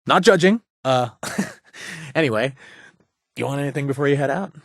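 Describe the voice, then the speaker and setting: A man's voice: medium pitch, normal speed, a bit bright, no echo, studio quality. An actor playing a remorseful male ex-raider companion in a video game, wry and self-deprecating. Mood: teasing. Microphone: studio mic, dry booth.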